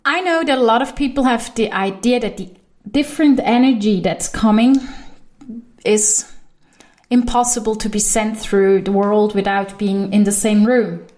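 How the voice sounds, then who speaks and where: A woman with a Swiss German accent, hosting her own podcast as an intuition coach, talking animatedly on her own. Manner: animated, with quick shifts up in pitch for emphasis. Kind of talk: solo podcast monologue.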